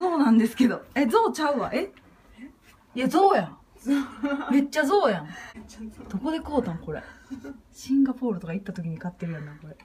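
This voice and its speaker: With a Kansai accent, a woman talks at a fairly quick pace in a high voice, her pitch swinging very widely, with long, frequent pauses over light background noise. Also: big swings in loudness. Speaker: comedian. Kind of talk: casual vlog chat. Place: home room. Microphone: phone near.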